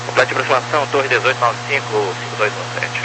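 A man's voice: medium pitch, fast, loud music behind the voice. A man with a Brazilian accent giving brief air traffic control instructions over radio. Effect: radio transmission. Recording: humming noisy aviation radio.

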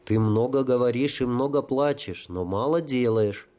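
A man voicing a cunning dead sapper who speaks smoothly and with authority. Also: mid-range voice, moderate pace, darkish tone, natural voice. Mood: commanding.

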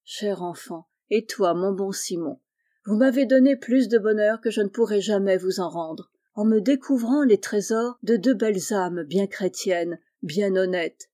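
A woman reading aloud, voicing a kind and wealthy male painter who speaks gently and reassuringly, like a father. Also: medium pitch, unhurried, lightly acted. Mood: tender.

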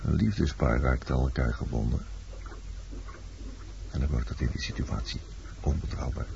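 An actor in a Dutch radio play playing a world-weary, blunt lover and sailor, terse and fatalistic. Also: male voice, extremely low pitch, moderate pace, gravelly, warm tone, exaggerated voice. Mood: brooding, curt. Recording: dull, noisy old radio drama recording.

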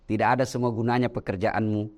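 A middle-aged man preaching a joking, animated sermon to office workers and addressing them directly. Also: on the low side, fast. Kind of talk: lively workplace sermon.

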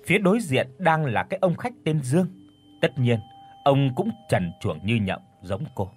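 Husky guy reading an audio story, lively voice, soft music behind. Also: mid-range voice, moderate pace. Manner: dramatic, expressive. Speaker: audiobook narrator. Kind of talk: storytelling narration.

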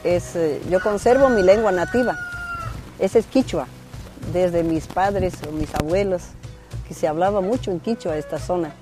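A middle-aged rural homemaker from Santiago del Estero giving a slow, heartfelt testimony about her land. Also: on the low side, over music. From Santiago del Estero, Argentina.

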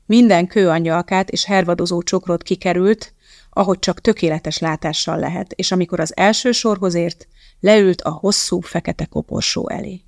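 Audiobook reader, measured literary narration, gravelly texture, very dry close sound. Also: medium pitch, fairly even intonation, dry recording.

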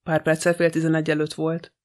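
A man's voice: fairly high pitch, monotone, lightly acted. A man reading an audiobook, voicing a sly, gossipy old female housekeeper who talks with scorn. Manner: grumbling, scornful.

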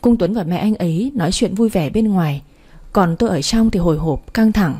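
A woman reads a first-person story aloud in an even, storytelling way. Her voice is warm and mellow, with a slightly husky, breathy texture. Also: mid-range voice, brisk. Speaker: narrator.

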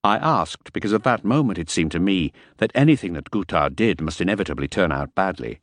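A man reading a first-person novel aloud as an audiobook narrator, measured and wry. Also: sits low, expressive, dry recording, studio quality.

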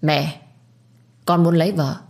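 A woman's voice: low-pitched, fairly even intonation, slow, creaky, a little mellow, heavily acted. A woman voicing a firm, blunt young man, the third son of a rich family, in an audio story. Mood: calm.

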